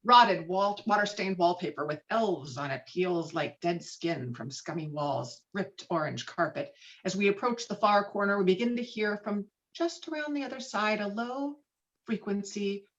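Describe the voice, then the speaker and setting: A woman's voice: mid-range voice, moderate pace, fairly bright tone. A woman reading screenplay stage directions dramatically as narrator of a table read, over a video call. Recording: dull lo-fi video call sound.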